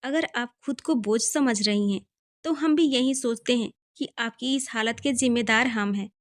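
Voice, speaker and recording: A woman's voice: on the high side, moderate pace, lightly acted. Woman reading as a protective young husband. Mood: angry. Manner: tender, turns scolding.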